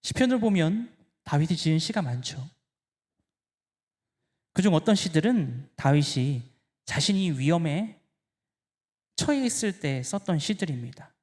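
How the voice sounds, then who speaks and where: A male pastor delivers an impassioned sermon, his pitch leaping and falling in a lively, animated way. He drops to near-hushed lines and then rises hard, speaking directly to the congregation as he preaches. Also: measured pace, pauses often. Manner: impassioned, swinging between hushed and loud.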